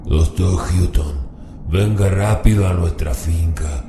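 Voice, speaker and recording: Horror radio play: grave teenage farm boy played by a man, strikingly low voice, slow and heavy. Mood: grave urgency. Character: grave teenage grandson calling for a doctor. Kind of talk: horror radio drama acting. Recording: echoey, clearly noisy recording.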